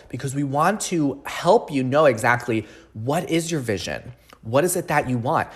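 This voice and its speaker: A man speaking as a podcast host and coaching trainer, explaining things in an earnest, emphatic way and often checking in with the listener. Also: mid-range voice. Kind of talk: solo podcast talk, promotional explainer.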